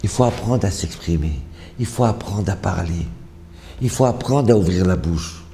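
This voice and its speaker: A man, a rabbi, giving an earnest sermon, urging listeners with repeated phrases and closing with a soft blessing. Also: animated, normal speed, slight background noise. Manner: earnest, repetitive exhortation that swells louder and higher on key phrases; drops to a soft low blessing at the close.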